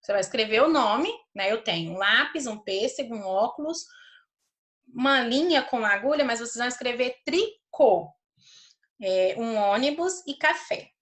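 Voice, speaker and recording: A woman teacher walks through a recorded grammar lesson for children. Her voice sits a little higher than average, and she reads each example sentence slowly and deliberately. She checks in with the class again and again. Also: animated, fairly bright tone. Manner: checks understanding with "certo?".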